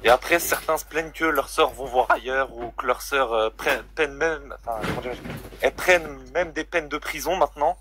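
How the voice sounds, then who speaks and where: A man's voice: medium pitch, a little fast, pushed and bright, a little hiss or hum. A man calling in to a live stream, chatting casually in a blunt, indignant way.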